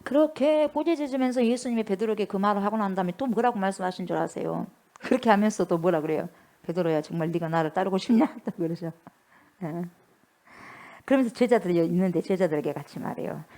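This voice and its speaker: A woman's voice: medium pitch, fast. Woman pastor preaching animatedly. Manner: animated storytelling, acting out quoted dialogue; often addresses the congregation directly. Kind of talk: sermon.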